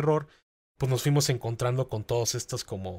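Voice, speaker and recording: Speaking in a Mexican accent, a man keeps to a medium pitch. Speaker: gaming journalist and event organizer. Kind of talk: casual chat.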